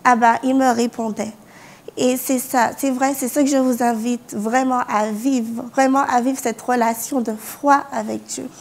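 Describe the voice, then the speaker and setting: A fairly high-voiced young woman from France shares her faith testimony. She speaks earnestly, restarts her sentences often and breaks into small laughs. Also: fairly even intonation, measured pace, vocal fry. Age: young adult. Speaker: university student giving testimony. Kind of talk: spoken personal testimony.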